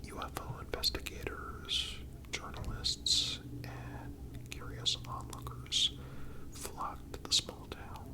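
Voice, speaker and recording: A man narrating a scripted documentary-style story as ASMR in a breathy, unvoiced whisper, with deliberate phrasing and frequent pauses.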